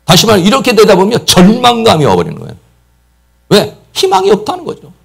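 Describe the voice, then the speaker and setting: A middle-aged Korean pastor preaching a sermon emphatically, acting out quotes and piling up repeated words for stress. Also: male voice, high voice, wildly swooping pitch, fairly quick, creaky, fairly bright tone, slightly rough. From South Korea. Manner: emphatic, acts out quoted speech, repeats "막" often.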